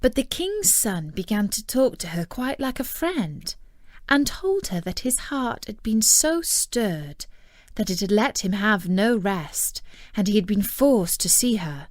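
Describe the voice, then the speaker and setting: Female storyteller: unhurried fairy-tale narration, very animated intonation, dry close sound. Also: mid-range voice, no room sound.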